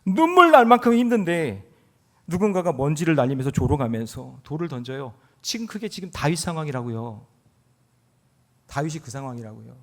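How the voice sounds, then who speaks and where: A middle-aged man preaching a Sunday sermon as pastor, chatty and joking, rising into forceful emphasis. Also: a little high, brisk. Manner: lively and conversational, with jokes and rising emphasis. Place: church sanctuary.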